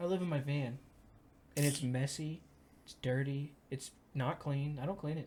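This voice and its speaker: Somewhat breathy and with a dark, mellow tone, a man with a fairly high pitch speaks with long, frequent pauses. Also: fairly even intonation. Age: 20s. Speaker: podcast co-host. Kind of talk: casual chat. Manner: fast.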